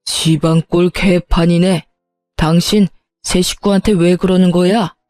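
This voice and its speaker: A woman voicing a stern, gruff elderly father-in-law who speaks slowly. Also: fairly low pitch, fairly even intonation, darkish tone, faint music behind, lightly acted. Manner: slow, gruff.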